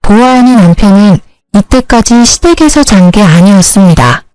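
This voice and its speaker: A woman narrating her own story in a plain, steady, scripted way. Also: mid-range voice, normal speed, clear, resonant tone, no room sound, faint music behind, poor audio.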